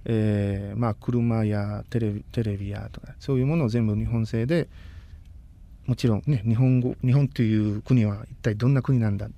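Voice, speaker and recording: Mellow-voiced man speaking a learned language. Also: lowish voice, fairly even intonation. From Costa Rica. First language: Spanish. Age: 30s. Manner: polite, measured, pausing often to find words. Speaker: guest. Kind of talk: casual interview.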